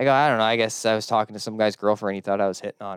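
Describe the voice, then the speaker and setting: Talking at a very fast pace in a Canadian accent, a man with a fairly low pitch and ordinary pitch variation is heard on a very clean recording with a silent background and a dry, close sound with no echo. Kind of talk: casual chat. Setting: studio.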